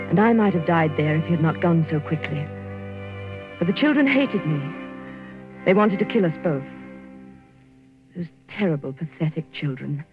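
An actress playing a nervous young governess in an old radio drama, speaking in a breathless, pleading way. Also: female voice, close to an everyday voice. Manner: breathless, pleading, shrill when scared. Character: prim frightened governess, young woman, nervous. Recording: dull old radio recording with music.

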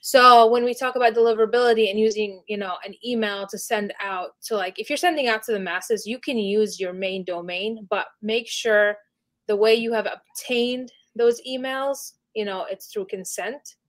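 A woman's voice: mid-range voice, normal speed. Woman, guest expert, casual explanations, filler-heavy, mid-range voice. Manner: chatty, many fillers like "you know" and "like". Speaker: email marketing specialist, guest.

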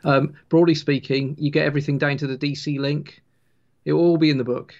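Male, Wiltshire twang, gravelly creak, informal explainer, slightly muffled lo-fi call sound. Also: on the high side, fairly even intonation, a little fast, a little mellow. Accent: Wiltshire, English West Country. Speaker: guest author of a railway engineering book. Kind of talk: casual technical explanation on a livestream.

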